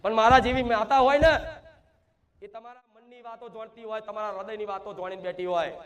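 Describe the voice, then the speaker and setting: A man's voice: high voice, steady tone, fairly quick. A man giving an emphatic devotional sermon, speaking in the first person as a divine mother to her devotees and asking rhetorical questions. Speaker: spiritual medium speaking as the goddess to devotees.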